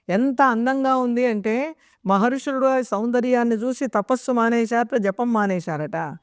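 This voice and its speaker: Smooth-voiced woman giving religious discourse. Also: on the high side, a little mellow, no room sound, studio quality. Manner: unhurried, explanatory storytelling. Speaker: devotional speaker.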